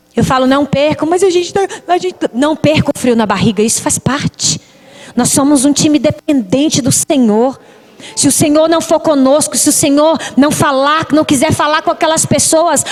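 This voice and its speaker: A woman's high voice with a slight Espírito Santo accent, moderate pace, ordinary pitch variation and very even loudness, amid noticeable background noise. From Brazil, Vitória, Espírito Santo. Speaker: prophetess, preacher. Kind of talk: sermon.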